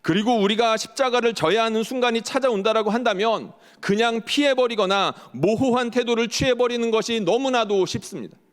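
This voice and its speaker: A fairly high-voiced man preaches a Sunday sermon from the pulpit, pressing his point with rhetorical questions. His voice rings out with a long reverberant tail in a church sanctuary. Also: a little fast, hardly any pauses. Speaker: pastor.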